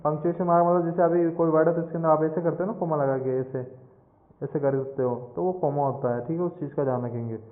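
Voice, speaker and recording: A man talks through exam questions like a coaching teacher, patiently repeating each answer and speaking straight to the listener. His voice sits a little high. It comes through a tinny, phone-like line with a roomy echo. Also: steady tone, a little fast. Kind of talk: explaining mock test answers. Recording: echoey, tinny phone-quality audio.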